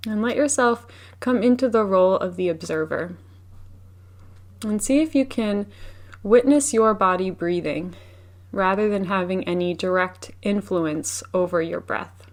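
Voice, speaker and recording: A woman with a medium-pitched voice guides a meditation. She gives soft, soothing instructions as a teacher would. Her delivery is unhurried and gentle, leaving room between phrases.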